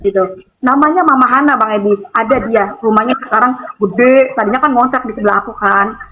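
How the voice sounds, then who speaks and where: A woman's voice: on the high side, brisk, pushed and bright, highs cut off, slight background noise. A woman giving a personal testimony over a call, chatty, filling her story with little tag words and acting out the voices of the people in it. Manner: chatty storyteller, acts out quoted voices, many gitu and kan fillers.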